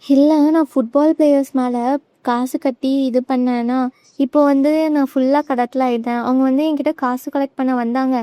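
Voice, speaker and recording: A woman's voice: high voice, steady tone, moderate pace, dark tone, no echo, natural voice. A woman voicing a scared young gambler, pleading. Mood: pleading, tearful. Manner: pleading, tearful. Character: young man, scared debt-ridden gambler brother.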